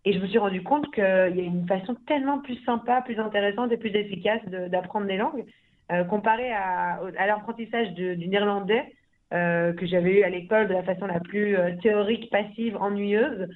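A woman's voice: mid-range voice, a little fast. A woman from Belgium, talking casually and chattily about her life and languages. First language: French. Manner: chatty, many fillers and restarts, laughs easily. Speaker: language school founder. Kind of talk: casual interview talk. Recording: phone-like narrow sound.

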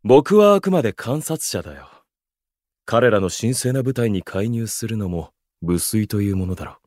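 An actor playing an aloof, amused male observer in an audio drama, with pompous, gentlemanly phrasing. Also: fairly low pitch, animated, normal speed, dry recording, clean studio sound. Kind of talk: Japanese audio drama acting.

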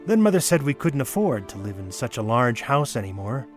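A man giving a theatrical, expressive dramatic reading of a childhood holiday memoir, with wonder and deliberate pauses. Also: medium pitch. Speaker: storyteller. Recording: music under the voice. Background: music.

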